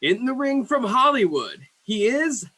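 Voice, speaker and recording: A man playing a wrestling ring announcer with a husky voice in a staged reading. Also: very high-pitched, very animated, unhurried, sharp tone, dry recording, full character voice. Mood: showy. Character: wrestling ring announcer introducing a title match.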